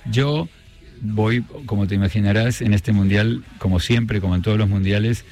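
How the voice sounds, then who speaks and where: A middle-aged man from Argentina with an Argentine Spanish accent, chatting as an interview guest and often pausing and restarting his sentences. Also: fairly low pitch, darkish tone. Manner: hesitant, many restarts and fillers. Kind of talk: casual interview chat.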